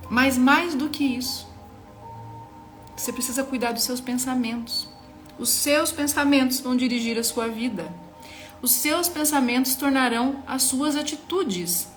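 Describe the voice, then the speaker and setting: A woman in her thirties with a Brazilian Portuguese accent delivers an earnest, emphatic devotional teaching directly to the listener. Her voice sits high.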